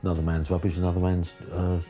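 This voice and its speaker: A man, a furniture maker, talking in a relaxed, heartfelt way in an interview. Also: deep voice, quick pace, over loud music.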